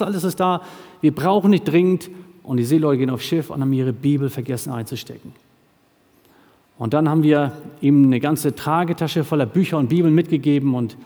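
A middle-aged man giving a missionary talk to a congregation, telling stories and quoting seafarers in short lively bursts. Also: on the high side. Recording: long hall reverb.

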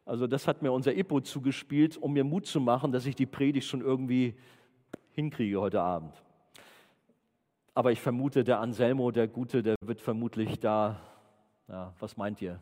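A man's voice: medium pitch, normal speed, mellow. Chatty man preaching in an echoing hall. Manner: playful, chatty, asks the audience questions. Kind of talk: informal sermon to a youth group.

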